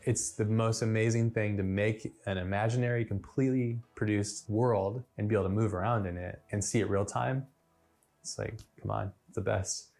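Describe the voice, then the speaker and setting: A man's voice: lowish voice, steady tone, moderate pace, creaky, darkish tone. A man talking reflectively about his creative work as an artist, in documentary interview style. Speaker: featured digital artist. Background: guitar music.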